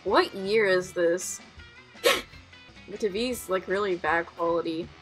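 A woman's voice: lowish voice, takes it slowly, soft background music, low-quality recording. A young woman on a headset mic, playing a horror game and commenting nervously, laughing and asking questions. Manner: nervous, giggly, full of questions. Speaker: gaming streamer.

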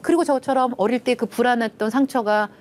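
A middle-aged woman giving a televised Christian lecture on family communication, acting out quotes in lively voices. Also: fairly high pitch, fairly quick, a little hiss or hum. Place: television studio with panel.

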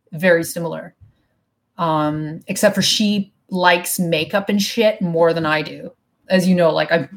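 A woman in her thirties talks to her live-stream viewers from her apartment living room, picked up by the webcam at her desk. Her voice sits a little on the low side for a woman, and she speaks frankly and casually, swearing without a second thought. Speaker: vlogger answering live chat. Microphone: webcam mic at desk.

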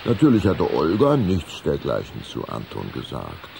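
A man narrates a children's story in a low, creaky voice. His delivery is animated, with wide swings in pitch, in the manner of a scripted audio drama. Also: moderate pace, slight background noise.

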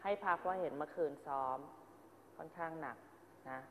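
A woman's voice: low-pitched, normal speed, a little hiss or hum. A woman teaching a drama class, giving students direct, corrective notes on their performance. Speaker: acting teacher. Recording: dull, echoey hall sound.

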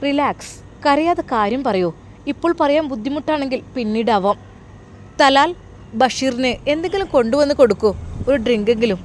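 A woman voicing a kind, caring older Arab woman employer who asks gentle, coaxing questions. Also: high voice, expressive, moderate pace, slight background noise, pitched above the performer's own voice. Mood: puzzled.

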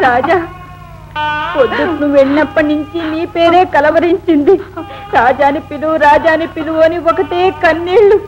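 An actress playing a tender village aunt who consoles orphaned children in a tearful way. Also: female voice, high-pitched, moderate pace, lo-fi sound, music in the background, lightly acted. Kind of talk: 1970s Telugu film acting. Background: film score.

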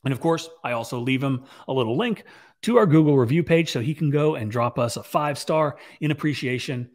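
A raspy-voiced man in his forties talks straight to camera into a big boom-arm podcast mic in his home office. He rambles casually, restarting sentences and dropping fillers as he tells his story. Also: lively intonation, brisk. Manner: conversational, many fillers and restarts, gestures while talking. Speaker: business owner vlogger. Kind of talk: casual talking-head storytelling. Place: home office with shelves, indoors. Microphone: large podcast mic on boom arm.

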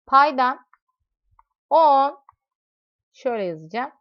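A woman's voice: high voice, expressive, takes it slowly. A woman teaching a math lesson, explaining with everyday examples and asking her students questions as she goes. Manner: talks directly to students in second person. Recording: dull lo-fi recording.

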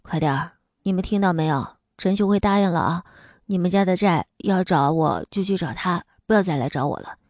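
A woman voicing a spiteful, sick old father in an audiobook, who sneers and gloats in a low, half-whispered voice. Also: brisk, darkish tone, no room sound, lo-fi sound, natural voice. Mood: urgent. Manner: mocking and gloating. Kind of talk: audiobook character voice.

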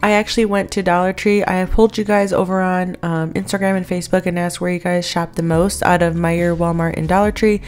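A woman's voice: lowish voice, level tone, fairly quick, few pauses, darkish tone, faint music behind. An American woman talking casually in a chatty, rambling, conversational vlog voice-over. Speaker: vlogger.

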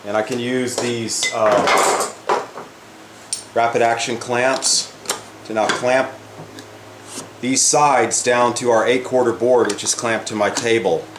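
A man's voice: mid-range voice, steady tone, slow, pauses often, heavy background noise. An older man in a woodworking shop, thinking aloud as he demonstrates a project and often restarts his sentences. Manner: thinking aloud while working, frequent restarts. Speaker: woodworking instructor. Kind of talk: casual workshop demonstration.

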